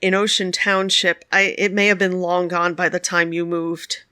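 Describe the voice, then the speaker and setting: A woman's voice: lowish voice, level tone, normal speed, sharp tone, clean tone, no echo, studio quality. A woman co-hosting a podcast, chatting casually and telling stories with frequent laughter. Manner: chatty, laughs often, storytelling. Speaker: podcast co-host. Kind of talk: casual conversation.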